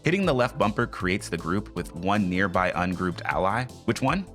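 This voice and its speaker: A man's voice: low voice, lively intonation, normal speed, a bit bright, soft background music. A man narrating a scripted video game review as a scathing, sarcastic critique, blunt and full of swearing. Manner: blunt, profane.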